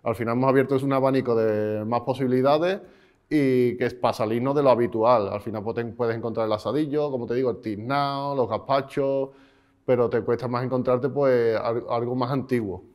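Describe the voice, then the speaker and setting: A man's voice: mid-range voice, fairly even intonation, fairly quick, darkish tone. A chef in his thirties from Seville, speaking in an interview with frequent restarts, recorded on a lapel mic in a restaurant. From Seville, Spain. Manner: thoughtful, restarts often. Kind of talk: interview talk.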